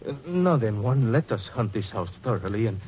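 A man's voice: lowish voice, sing-song, fairly quick. A man playing a cautious, reasoning father with formal, stagy phrasing in a 1940s radio drama. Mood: resigned. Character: cautious, reasoning father hunting pirate treasure. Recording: dull, noisy 1940s radio recording.

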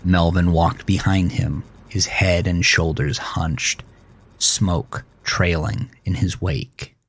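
A man's voice: sits low, fairly even intonation, slow pace, husky. A man narrating a scripted thriller story as the storyteller.

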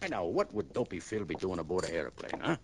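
A gravelly gangster boss who swings wildly up and down in pitch as he mocks his visitor. His voice sits low and rough, and he talks with a false, chuckling friendliness. It is old-time radio drama acting. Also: sing-song, brisk, a little hiss or hum. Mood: smooth menace. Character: oily, menacing gangster boss, middle-aged man.

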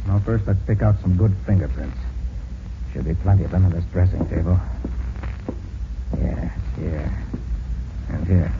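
An actor playing a shrewd, commanding detective in a 1940s American radio drama, speaking in brisk declarations. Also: male voice, sits low, gravelly. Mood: intent, deductive. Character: confident master detective, shrewd and authoritative. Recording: dull, hissy 1940s radio recording.

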